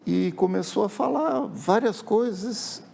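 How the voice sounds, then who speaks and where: A man's voice: sits high, slow, vocal fry, mellow, slight background noise. A man, a writer telling stories reflectively in a casual TV interview. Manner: reflective, with frequent tag questions. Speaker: writer and guest. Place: TV studio.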